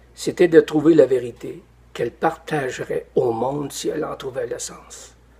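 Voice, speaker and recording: A man speaks at a fairly slow pace. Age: 60s. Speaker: testimonial giver. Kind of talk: testimony, reading aloud. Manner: reading from a written text.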